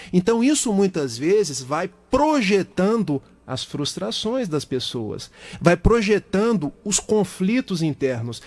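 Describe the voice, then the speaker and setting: A man's voice: sits high, darkish tone. A middle-aged Brazilian man with a Brazilian Portuguese accent, a guest speaker on a radio talk show, explaining at length with everyday examples.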